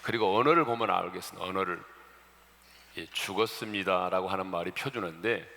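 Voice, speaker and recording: A man's voice: deep voice, brisk, gravelly, sharp tone, slight background noise. A man preaching a sermon as a pastor, often calling out to the congregation and joking between points. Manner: addresses congregation often, jokes about regional dialects. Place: church sanctuary. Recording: long church reverb.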